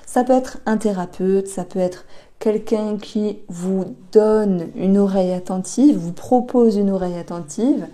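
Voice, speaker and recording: A woman giving an intuitive tarot reading for a star sign, talking slowly and reflectively with many pauses and hesitations. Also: mid-range voice, warm tone. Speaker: tarot reader.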